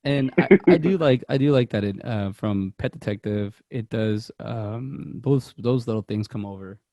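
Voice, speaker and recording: A man of Mexican heritage, one of a movie podcast's co-hosts, talks casually and rambles, breaking into laughter and tripping into restarts. He has a lowish, dark voice at a normal speed, captured in a dry recording.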